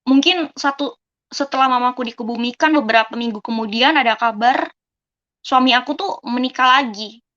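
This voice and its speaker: A woman's voice: fairly high pitch, a little fast, fairly bright tone. Young woman telling her life story, muffled. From Indonesia. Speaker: testimony speaker. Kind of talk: personal life testimony.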